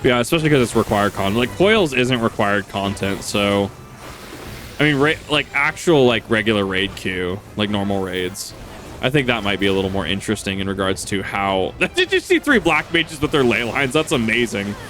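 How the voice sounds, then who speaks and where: A man's voice: lowish voice, very animated, moderate pace, fairly bright tone. A man streaming a game, chatting casually and rambling with lots of fillers and restarts. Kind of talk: casual gameplay chat.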